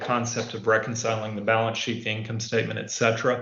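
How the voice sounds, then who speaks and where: A man with a medium-pitched voice speaks fairly quickly in a monotone, flat way. Room echo is audible. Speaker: external auditor. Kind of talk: formal presentation to committee. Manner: halting with fillers and self-corrections.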